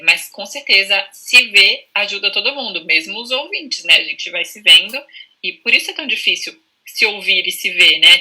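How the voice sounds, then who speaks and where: A woman speech therapist with a Brazilian Portuguese accent, calmly explaining things in a video call, often ending phrases with a questioning tag. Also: mid-range voice, husky, rough recording. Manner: calm, explanatory, frequent "né?" tags. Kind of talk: conversational explanation in a live video chat.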